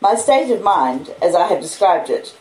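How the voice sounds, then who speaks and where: A woman's voice: lowish voice, big pitch swings, moderate pace, darkish tone. An Australian woman reading aloud and chatting to listeners as a streaming storyteller. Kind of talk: expressive audiobook-style reading of a classic novel with casual chat. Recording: roomy echo, clear background noise or hiss.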